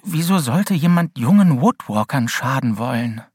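A man's voice: medium pitch, lively intonation, moderate pace, husky, dry recording, clean studio sound. A man voicing an impulsive, eager teenage boy hero who speaks earnestly.

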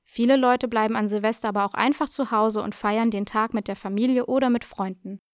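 A woman presenting a language lesson, explaining in a clear, measured, scripted way. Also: on the high side, fairly even intonation, dry recording, clean studio sound.

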